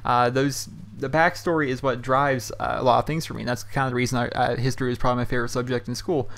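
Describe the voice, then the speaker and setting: Fast-talking young man rambling at home. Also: medium pitch, little pitch movement, gravelly, fairly bright tone. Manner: loose and chatty, heavy on fillers like um and you know. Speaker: YouTube host answering viewer questions. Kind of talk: casual rambling commentary. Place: his hot bedroom at home.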